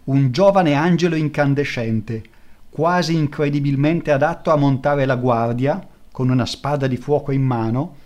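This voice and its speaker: A man reading aloud as a courtly, persuasive male court painter who speaks slowly and flatteringly. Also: mid-range voice, lightly acted. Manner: slow, smooth and flattering.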